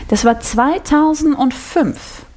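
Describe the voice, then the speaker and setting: A woman's voice: high voice, slow, darkish tone. A woman with a Danish accent, speaking German as a guest and laughing often in a casual interview. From Denmark. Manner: laughs often, chatty and self-mocking. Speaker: guest, singer.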